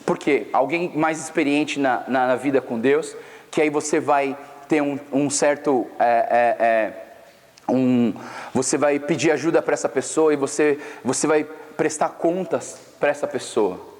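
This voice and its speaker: Young Brazilian pastor preaching in a hall. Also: male voice, a little high, measured pace, a little mellow. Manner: casual storytelling with slang. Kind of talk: youth camp sermon. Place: camp meeting hall.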